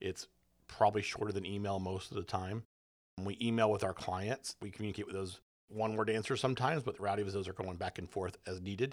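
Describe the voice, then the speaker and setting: A fairly low-pitched man at a fairly quick pace, with fairly even intonation, on a very clean recording with a silent background. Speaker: small business owner. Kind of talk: casual chat. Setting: studio. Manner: loud.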